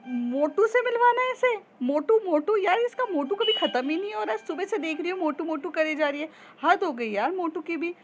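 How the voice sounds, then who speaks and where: A woman voicing a jealous, hot-tempered young woman student who shouts and mocks, in a storytelling podcast. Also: sits high, lively intonation, normal speed, dull audio, slight background noise. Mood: mocking, angry. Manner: shouting, scolding, mocking.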